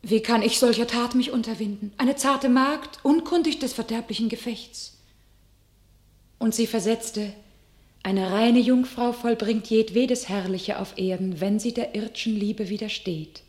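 An actress playing a young, pious visionary warrior maiden in a classical verse radio play, solemn and declamatory. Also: female voice, a little high, measured pace, a little mellow, roomy sound, natural voice. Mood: solemn, rapt.

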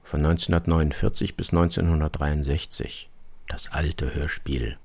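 Male presenter for scripted radio narration, very low voice with fry, measured and clipped. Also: fairly even intonation, darkish tone.

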